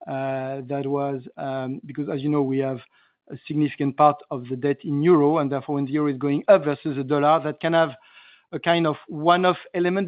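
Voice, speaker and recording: A male company executive answering analysts on an earnings call in a halting, emphatic way, repeating phrases for stress. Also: fairly high pitch, no room sound. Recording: narrow tinny phone line.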